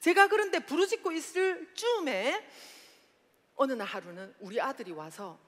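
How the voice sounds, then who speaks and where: High-pitched woman, seminar speaker, bright tone, hall reverb. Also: lively intonation, moderate pace. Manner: loud, exclaiming, laughs often. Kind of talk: motivational seminar talk.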